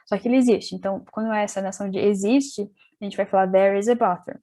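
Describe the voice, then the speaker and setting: A woman's voice: mid-range voice, fairly even intonation, quick pace, dark tone. A young woman teaching an English class, talking casually, restarting sentences and spelling words out letter by letter, with a London accent when she speaks English. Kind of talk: casual online class explanation.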